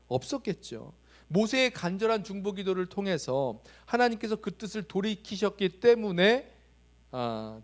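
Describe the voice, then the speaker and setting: A man preaching a sermon as pastor, speaking straight to the congregation and asking rhetorical questions. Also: sits high. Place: church sanctuary.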